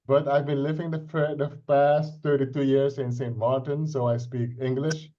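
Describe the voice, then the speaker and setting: A man's voice: medium pitch, flat delivery, normal speed, warm tone. Middle-aged man with a Dutch accent, muffled call audio. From Suriname. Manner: earnest, explanatory, with frequent restarts and "right?" checks. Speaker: IT consultant presenting a crypto project. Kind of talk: casual self-introduction and explanation on a video call. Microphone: video call. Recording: dull lo-fi video call audio.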